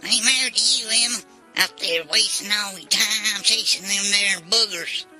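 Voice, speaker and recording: A woman's voice: medium pitch, normal speed, pushed and bright, faint music behind, poor audio. Woman acting a piercing, crabby old Southern mother-in-law. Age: older. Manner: crabby, folksy, combative. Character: cantankerous old backwoods mother-in-law, feisty, insulting. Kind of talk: comedic audio drama acting.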